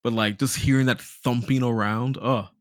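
A man's voice: medium pitch, steady tone, moderate pace, no room sound, studio quality. A man hosting a podcast in casual chat, talking like an enthusiastic fan with joking asides. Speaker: podcast host. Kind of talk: casual podcast chat about games and films.

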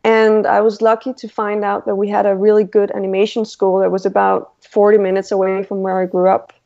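A woman from Denmark with a Danish accent, a Danish native speaker, answering relaxed interview questions and pausing to search for words. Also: mid-range voice, creaky. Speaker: illustrator guest. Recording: dull lo-fi call audio.

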